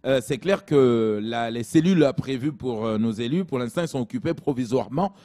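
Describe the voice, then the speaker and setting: A man's voice: medium pitch, fairly quick, dark tone. A man giving comic commentary in a satirical news segment, joking and laughing as he goes. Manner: jokey, mimics people, laughs often. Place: studio.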